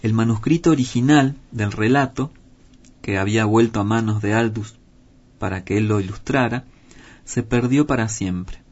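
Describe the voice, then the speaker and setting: A man reading a children's story aloud in a measured, expressive way. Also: on the low side. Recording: dull lo-fi with faint hiss.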